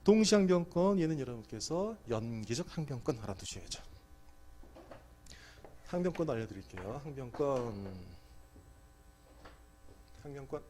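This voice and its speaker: A man's voice: mid-range voice, expressive, moderate pace, long pauses, background noise. A middle-aged man giving an exam prep law lecture, quizzing students and answering his own questions.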